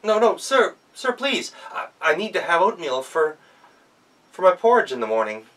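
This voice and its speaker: A plucky young folktale woman, put on by a man, lifted in pitch and bright in tone. She is courteous yet insistent, speaking a short way from the mic. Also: sing-song, normal speed, distant mic. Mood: polite pleading. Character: brave, polite but determined young woman.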